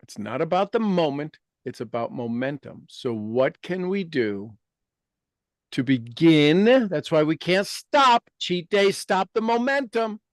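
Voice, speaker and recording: Man, 50s, motivational podcast host; slightly high, dry, emphatic, repeats himself. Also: animated, measured pace, no echo. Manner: emphatic, repeats key phrases. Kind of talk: motivational casual talk.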